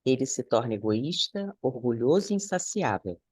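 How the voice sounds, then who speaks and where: Someone reading a passage aloud, pretty lively pitch, dry close sound. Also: no echo. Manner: measured reading. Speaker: reader.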